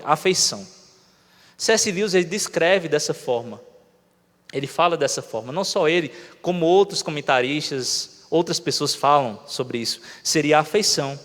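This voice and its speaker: A man's voice: on the high side, animated, normal speed, a bit bright. A Brazilian man preaching a conversational sermon, often asking the congregation questions. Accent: Brazilian Portuguese. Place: church hall. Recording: long reverb of a church hall.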